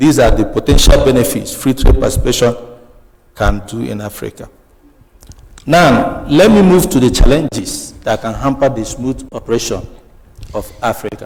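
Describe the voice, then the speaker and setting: There is noticeable background noise as a man speaks. He keeps a moderate pace with long, frequent pauses. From Nigeria. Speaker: forum participant. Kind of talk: prepared speech.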